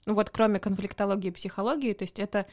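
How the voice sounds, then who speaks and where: A woman's voice: medium pitch, steady tone, fast, darkish tone, no room sound, clean studio sound. A young woman co-hosting a podcast, asking curious follow-up questions in a casual chat. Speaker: podcast co-host.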